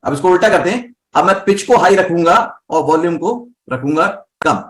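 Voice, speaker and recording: A man teaching a live voice class, explaining breathing, volume and pitch with everyday examples and often checking whether students follow. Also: expressive, brisk, fairly bright tone. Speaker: voice coach.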